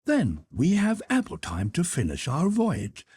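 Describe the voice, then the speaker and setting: Casting: male narrator as a deferential, inquisitive manservant for a classic audiobook, lifted pitch, very lively intonation. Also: a little slow, husky, no room sound, full character voice. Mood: polite, curious. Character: deferential, curious male servant, higher-voiced and polite. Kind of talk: audiobook character dialogue.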